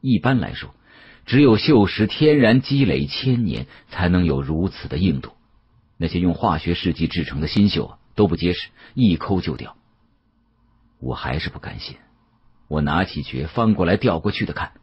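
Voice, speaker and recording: A man narrating an audiobook as a dramatic storyteller, with an expressive, conversational delivery. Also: sits low, moderate pace, husky, lo-fi sound.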